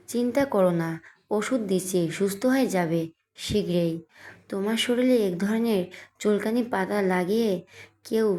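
A woman's voice: medium pitch, a little mellow. A woman narrating a romantic audio story, reading each character's lines in her own voice after naming the speaker.

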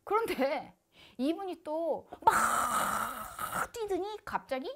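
Woman, shaman, high voice, lively dramatic storytelling, indoors. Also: slow pace. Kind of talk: storytelling to camera.

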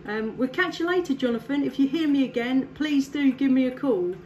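A woman from England with a high, slightly mellow voice chats casually from her home station with a distant CB radio contact, talking fairly quickly. She's friendly, laughs often and fills pauses with ums. The sound is lo-fi with slight background noise.

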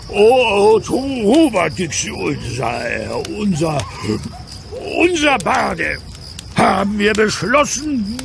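A tipsy village chief in a comic radio play. He drags out his words very slowly, stumbling and repeating himself, in a high gravelly voice. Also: background noise, heavily acted. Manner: halting, stammering, slurred drunken speech. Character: tipsy, bumbling Gaulish village chief making a speech.

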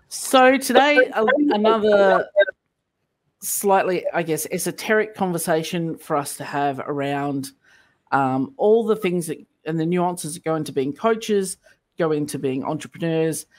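Podcast host, mid-pitched, upbeat, chatty, leads the conversation. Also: animated, normal speed. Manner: upbeat, chatty, leading the discussion. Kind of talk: podcast hosting.

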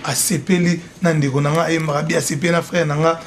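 A man's voice: a little high, flat delivery, fast talker. A man interviewing a singer, asking long rambling questions. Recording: echoey room, distant mic, loud noise.

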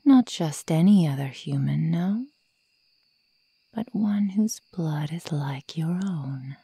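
A woman playing a sadistic female werewolf toying with human prey in a breathy, menacing, mockingly sweet ASMR roleplay whisper. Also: low voice, lively intonation, takes it slowly, warm tone, no room sound, full character voice. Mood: predatory, teasing.

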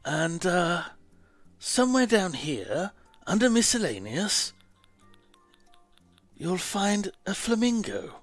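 A man's voice: high-pitched, very animated, slow, long pauses, dry recording, soft background music. A man streaming a game, putting on a theatrical, overly polite presenter voice as he walks through a tutorial. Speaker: streamer doing an impression. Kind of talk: mock-posh gameplay tutorial.

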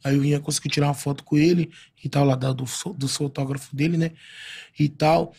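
A man tells a story as a podcast guest, his voice gravelly with a husky edge. He throws in slang and acts out what others said to him, pitching up for their lines. It is relaxed, casual talk among friends. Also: a little fast.

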